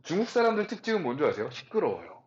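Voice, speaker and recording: A man giving a recorded lecture, talking in an animated, chatty way with rhetorical questions and asides. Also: a little high, racing, dull audio.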